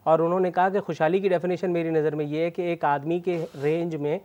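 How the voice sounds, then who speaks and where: A male TV host with a Pakistani Urdu accent and a slightly high voice presses his guest hard. He cuts in with sharp, pointed questions in a studio interview. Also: flat delivery, a little fast. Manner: challenging, interrupts with pointed jabs. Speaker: talk show host. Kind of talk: combative TV interview.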